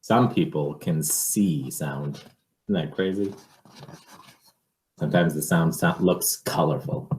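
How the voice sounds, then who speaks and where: Slow-reading man in an echoey room. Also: very deep voice. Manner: measured, expressive, pausing to wonder aloud. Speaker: reader, teacher reading a picture book aloud. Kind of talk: picture-book read-aloud with informal asides to children.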